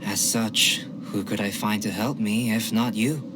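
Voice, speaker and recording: An actor playing a calm, scholarly young male alchemist in a video game, speaking in a measured, formal way. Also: on the low side, background noise, close to an everyday voice. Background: game music.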